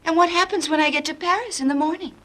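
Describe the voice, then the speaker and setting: An actress playing a coy, scheming young woman suspected of murder in a 1950s radio drama, breathy and teasing. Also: very high-pitched, fast, bright, forceful tone. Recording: old radio broadcast recording.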